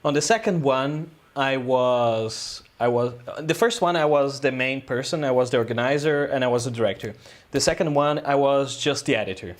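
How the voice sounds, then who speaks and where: A man's voice: medium pitch, normal speed, few pauses. A man, a guest filmmaker telling a story in a casual interview, rambling loosely with lots of "uh" and "um". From Brazil.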